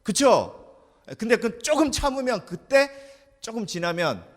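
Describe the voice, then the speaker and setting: A man's voice: very high-pitched, a little slow. A man preaching a sermon as pastor, talking animatedly and often asking the congregation questions. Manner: lively preaching with many rhetorical questions to the congregation. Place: church sanctuary. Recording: long church hall reverb.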